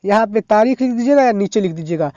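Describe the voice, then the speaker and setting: Male tutor, high mellow voice, chatty and repetitive, lo-fi recording. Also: animated, no room sound. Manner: chatty, repeats "thik hai" and "hai na"; talks fast, stumbles over words. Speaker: teacher. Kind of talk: casual tutorial. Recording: dull lo-fi sound.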